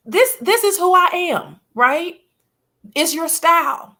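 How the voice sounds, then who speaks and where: A woman speaks at a fairly slow pace in a Southern US accent. Her raised, projected voice has an extremely high pitch and a bright, sharp tone. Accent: country, Southern US. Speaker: podcast co-host. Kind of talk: casual podcast conversation. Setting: live stream podcast. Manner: loud.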